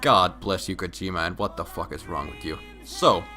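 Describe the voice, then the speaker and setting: A drunk man tells a story in a casual, comedic recap. His voice is low and forceful, and he rambles and swears with emphatic outbursts. Faint music plays behind him. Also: moderate pace. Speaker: video game storyline explainer. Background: background music.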